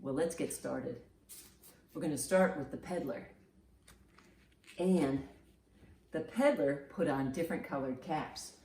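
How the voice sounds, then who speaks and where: A woman's voice: deep voice, animated, unhurried, long pauses, a little mellow. A woman hosting a children's storytime, speaking expressively and putting simple questions to young listeners. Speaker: children's librarian and storytime host. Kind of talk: animated children's storytime read-aloud.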